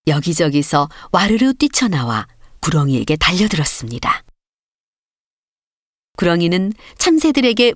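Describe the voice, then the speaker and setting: A woman reading a storybook as an audiobook narrator, with expressive, clearly paced scripted delivery. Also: lowish voice, no echo, studio quality.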